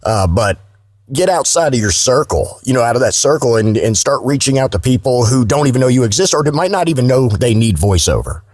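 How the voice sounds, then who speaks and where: Male, Southern American, mid-pitched, folksy and plain-spoken podcast guest, recorded very dry. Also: lively intonation, brisk, a little mellow, dry recording. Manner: folksy, colloquial, profane. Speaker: guest, voice-over artist. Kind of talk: casual podcast chat.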